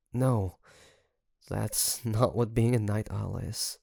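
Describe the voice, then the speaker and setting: A man's voice: fairly low pitch, fairly even intonation, vocal fry, breathy edge, no room sound, clean studio sound, full character voice. A man playing a nervous, caring young best friend in an intimate audio roleplay, speaking hesitantly and straight to the listener. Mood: concerned, scolding. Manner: hesitant, halting, soft nervous chuckles. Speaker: voice actor.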